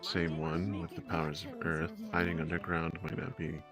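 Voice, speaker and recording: A man in a roleplay session, giving brief, measured replies. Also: sits low, flat delivery, music in the background. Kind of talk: in-character roleplay chat.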